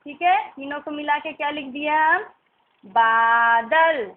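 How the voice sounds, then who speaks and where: A woman teaching young children, slowly and patiently sounding out syllables and simple words. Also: sits high, fairly even intonation. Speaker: primary school teacher. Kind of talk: recorded online class lesson. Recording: tinny phone-like recording.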